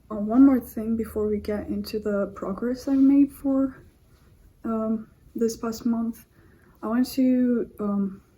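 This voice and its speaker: A woman with a fairly high pitch and a dark, mellow, somewhat breathy tone speaks at a very slow pace. Her intonation stays fairly even. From Ukraine. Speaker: beauty YouTuber. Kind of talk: casual vlog.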